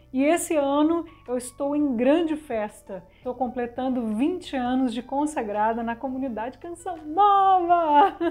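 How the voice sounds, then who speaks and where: A high-pitched woman's voice with lively intonation, at a fairly slow pace with hardly any pauses. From Rio de Janeiro, Brazil. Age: 40s. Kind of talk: personal testimony to viewers.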